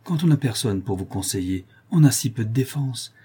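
A man's voice: medium pitch, moderate pace, breathy edge. A man reading an audiobook aloud, voicing a cheerful, talkative young Parisian seamstress. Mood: chatty. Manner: lively, affectionate, talkative.

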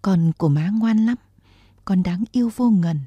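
A woman's voice: medium pitch, normal speed, warm tone, slightly rough, no echo, lo-fi sound, lightly acted. A woman reading the part of a proud, imprisoned woman general and mother, tender with her child and fierce toward her enemies.

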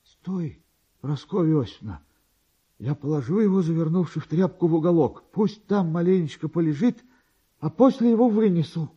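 A man's voice: a little high, expressive, normal speed, breathy edge, dull audio, pitched above the performer's own voice. A man voicing a timid, hapless barber who mutters and pleads in bewilderment in a literary story. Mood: anxious pleading.

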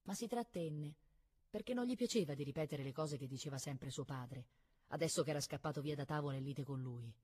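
A woman reading a novel aloud in a calm, measured narrating voice. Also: low-pitched, a little hiss or hum. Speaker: reader.

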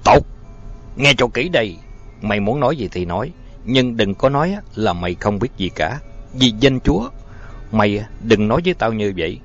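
A man voicing a big, furious male priest who growls slow, measured threats. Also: fairly low pitch, lively intonation, a bit bright. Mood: menacing. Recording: dull lo-fi audio, faint music.

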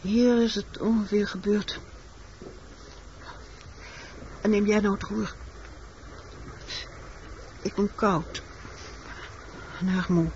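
An actress playing a weary, secretive woman in a radio drama, telling her story in a measured, matter-of-fact way. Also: mid-range voice, a little mellow, close to an everyday voice. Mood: weary, detached. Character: weary, secretive woman confessing a wartime killing. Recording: muffled, noisy old radio recording.

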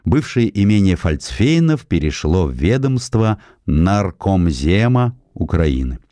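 A man reads a scripted historical essay as an audiobook narrator, in an expressive, measured storytelling manner. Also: deep voice, dry recording, clean studio sound. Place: studio.

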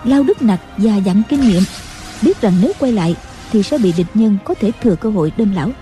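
A woman narrating a martial-arts novel as an audiobook in a steady storytelling voice. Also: mid-range voice, fairly quick. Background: faint music.

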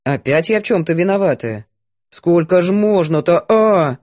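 A woman's voice: lowish voice, lively intonation, normal speed, a little mellow, dry recording. A woman doing a coarse snapping cook. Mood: grumbling. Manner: rude, snapping, scolding.

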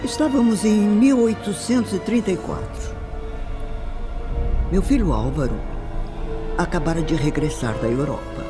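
An actress playing a refined, sorrowful older mother in a radio drama, with a Brazilian accent and solemn, deliberate, formal phrasing. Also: lowish voice, lightly acted. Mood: proud, reminiscing. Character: older upper-class widowed mother, grave, sorrowful, refined. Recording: music under the voice. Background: background music.

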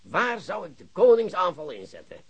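A theatrical, boastful police chief. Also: male voice, sits high, moderate pace, slightly rough, heavily acted. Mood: excited, lecturing. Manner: animated, theatrical, lecturing colleagues. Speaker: police chief in a radio play. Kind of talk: Dutch radio drama acting.

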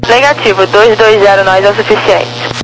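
A woman's voice: mid-range voice, fairly even intonation, moderate pace. A woman with a Brazilian accent giving clipped, procedural instructions as an air traffic controller over aviation radio. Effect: aviation radio transmission. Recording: noisy aircraft radio channel with hum.

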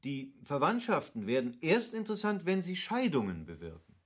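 An actor playing an opinionated, cultivated gentleman in a classic radio play, speaking with emphatic, rhetorical phrasing. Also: a little high, huge pitch swings, moderate pace. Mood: engaged. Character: opinionated, lecturing cultivated gentleman of Goethe's era.

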